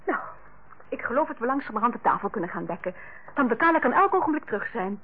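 An actress playing a cheerful, conciliatory household hostess with a reasoning manner, in old radio play style. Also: female voice, fairly high pitch, lively intonation, fast, breathy edge. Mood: pleasant, brisk. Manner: soothing, reasoning. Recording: tinny, noisy old radio recording.

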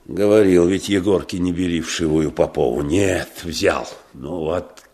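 Very deep, gravelly old patriarch. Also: male voice, measured pace, darkish tone. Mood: grim. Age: older. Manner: curt, commanding. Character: stern old village patriarch, bitter and commanding. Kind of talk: radio drama acting.

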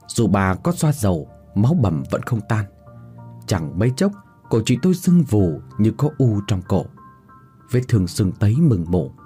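A man tells a first-person horror story with dramatic, expressive delivery. His voice is low, dark and husky, with a lively, wide-ranging pitch. Faint music plays underneath.

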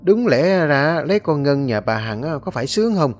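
A man's voice: fairly high pitch, big pitch swings, moderate pace, soft background music, pitched above the performer's own voice. A man voicing a scornful, gossiping village woman in a storybook tale. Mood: gossipy.

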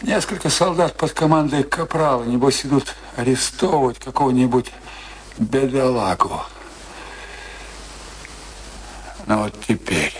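An actor playing an embittered, world-weary middle-aged husband in a radio play, confessing coolly in slow, halting, pensive phrases. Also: male voice, medium pitch, a little hiss or hum, natural voice, rough recording. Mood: musing. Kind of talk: theatrical radio play dialogue.

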